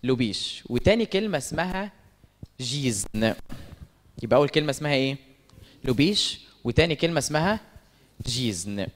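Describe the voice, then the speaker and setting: A man with an Egyptian accent giving a lively church talk, asking the audience questions and answering them himself. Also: mid-range voice, brisk, long pauses, a little hiss or hum. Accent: Egyptian Arabic. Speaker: speaker at a church service meeting. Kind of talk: lively sermon-style talk with stories. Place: church hall. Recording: long reverb of a church hall.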